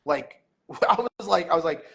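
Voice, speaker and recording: A man's voice: on the high side, animated, moderate pace, creaky, fairly bright tone. A man talking casually as a podcast guest, rambling with lots of filler words. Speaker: guest, meet director and MC.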